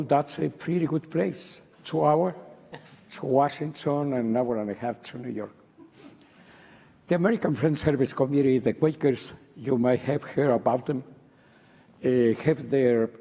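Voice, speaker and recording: A man, telling stories on a panel in a slow, joking way and laughing often. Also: medium pitch, dark tone. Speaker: panel speaker. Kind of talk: storytelling on a panel. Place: lecture hall. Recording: reverberant lecture hall.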